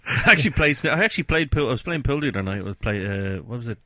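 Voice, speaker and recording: An Irish man with a bassy voice hosting a casual comedy podcast, joking and laughing often. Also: expressive, racing, bright, forceful tone, no room sound. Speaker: podcast host. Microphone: close studio mic.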